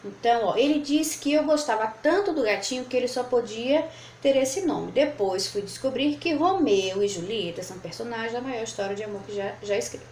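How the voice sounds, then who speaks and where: A woman's voice: on the high side, a little mellow. Patient teacher woman in an echoey room. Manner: patient, spells out syllables slowly. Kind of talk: classroom lesson at a board. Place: room with whiteboard. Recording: echoey room, faint background noise.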